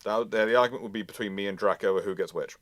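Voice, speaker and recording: A man's voice: on the low side, very fast, no room sound, clean studio sound. A man hosting a casual panel discussion and answering questions, often repeating and restarting his phrases. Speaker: host of a naval history live Q&A.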